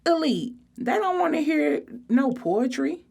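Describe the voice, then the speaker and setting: A woman's voice: high-pitched, very animated, measured pace, gravelly, darkish tone, voice pushed up, full character voice. A woman voicing a brash, boastful teenage girl with a sassy, snappy, slangy delivery in a storybook reading. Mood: dismissive.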